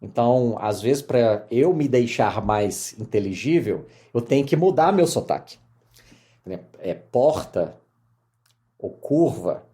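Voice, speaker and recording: A middle-aged man from Minas Gerais with a Mineiro accent, telling his career story as a podcast guest in lively casual conversation. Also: medium pitch, moderate pace. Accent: Mineiro Portuguese. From Minas Gerais, Brazil. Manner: animated storyteller, many fillers.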